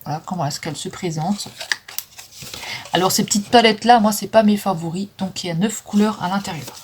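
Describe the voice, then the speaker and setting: A woman's voice: medium pitch, fairly quick, background noise. A woman chatting casually through a makeup declutter, with frequent fillers, stumbling over English names. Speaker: vlogger selling makeup. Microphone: phone.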